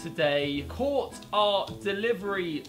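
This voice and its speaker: Cheeky young man, high voice. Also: expressive. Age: young adult. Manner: cheeky, reading posts in slow mock-outraged voice. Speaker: YouTuber. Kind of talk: casual prank vlog narration. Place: bedroom studio, indoors. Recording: background music.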